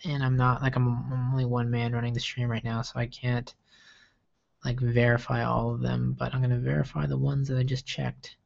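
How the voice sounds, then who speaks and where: A young American man hosts a casual livestream Q&A, answering viewer questions in a chatty, rambling way full of fillers and restarts. His gravelly voice sits at medium pitch with little movement, moving at a moderate pace over lo-fi audio.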